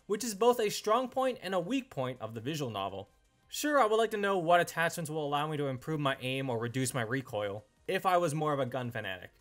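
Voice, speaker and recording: Lively, higher-pitched young man narrating a review. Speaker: video reviewer and host.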